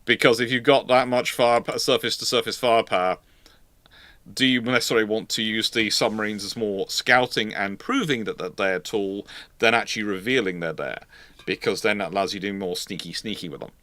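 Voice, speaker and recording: A man with a lowish, bright, forceful voice speaks fairly quickly while hosting a casual live Q&A stream for viewers. He stammers and often repeats words as he restarts his phrases, and the recording is dry.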